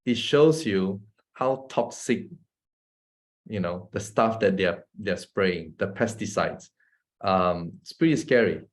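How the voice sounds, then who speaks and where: A man's voice: sits low, takes it slowly. A man from Malaysia with a Malaysian English accent, giving a casual talk to an audience, chatty, often asking "right?" and laughing between points. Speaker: presenter.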